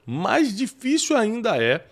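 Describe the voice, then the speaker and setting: A man hosting a talk show, animated and preachy, often bringing in scripture. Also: sits high, slow pace. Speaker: podcast host. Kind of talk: casual chat.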